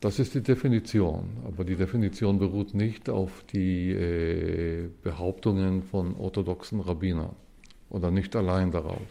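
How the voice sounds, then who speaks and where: A man in his seventies from Israel, a historian giving measured explanations as an interview guest. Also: sits low, fairly even intonation, creaky, dark tone. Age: 70s. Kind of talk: casual interview talk.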